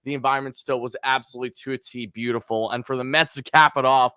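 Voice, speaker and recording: A man hosting a sports podcast, talking in a casual, excited way, his voice hoarse from cheering. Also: mid-range voice, fast, dry recording, clean studio sound. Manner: excited, fan-like, hyped. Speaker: podcast host.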